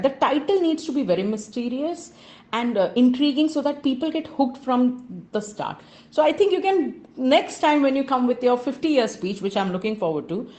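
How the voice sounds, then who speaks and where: A woman's voice: fairly high pitch, a little mellow. A woman with an Indian accent giving a structured, emphatic speech evaluation as a recorded message. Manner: measured, structured, emphatic on key points.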